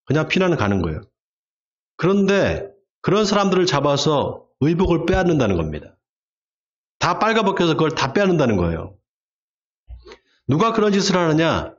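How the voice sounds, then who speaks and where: Male pastor, lively preaching voice, bursts into acted shouts, dull lo-fi church recording. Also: a little high, moderate pace, pauses often. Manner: acts out shouted quotes in sudden bursts. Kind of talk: sermon. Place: church sanctuary.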